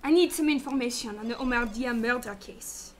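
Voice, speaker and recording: Woman playing a high-pitched, sassy female assistant. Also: brisk, slight background noise, close to an everyday voice. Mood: pleading. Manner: sarcastic, teasing. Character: sassy, wheedling young female detective's assistant. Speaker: actor in a sci-fi radio drama. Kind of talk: radio drama acting.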